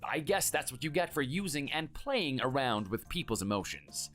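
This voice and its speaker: A man's voice: mid-range voice, very animated, normal speed, a bit bright, soft background music. A man voicing a divorced ex-husband narrating his ex-wife's downfall in scripted story narration. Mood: satisfied.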